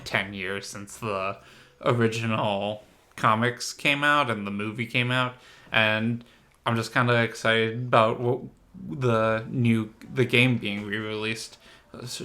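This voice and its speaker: A man's voice: fairly low pitch, fairly even intonation, unhurried, bright, forceful tone. A man co-hosting a casual gaming podcast, explaining things in a tentative, hedging way. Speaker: podcast co-host.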